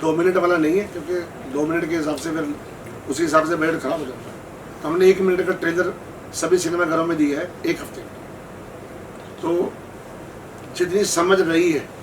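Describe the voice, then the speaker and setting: A man with a somewhat high voice speaks off the cuff as a filmmaker at a press event. He is picked up from a distance, with plain background noise around him. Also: steady tone, moderate pace, pauses often. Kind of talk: unscripted press conference answers. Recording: distant mic, noisy room.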